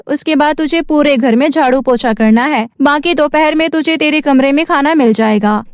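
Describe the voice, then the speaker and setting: A haughty rich wife, put on by a woman narrator, speaks in a high voice with scorn and bossy spite. It is a cartoon villainess aunt, recorded dry and close. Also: clean tone, no room sound, lightly acted.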